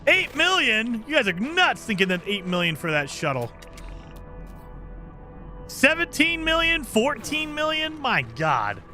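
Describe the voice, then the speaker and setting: A man streaming a game live, chatting casually and reading viewer comments, with a voice he calls high-pitched for a man. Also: a little slow, soft background music. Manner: chatty, lively, self-deprecating.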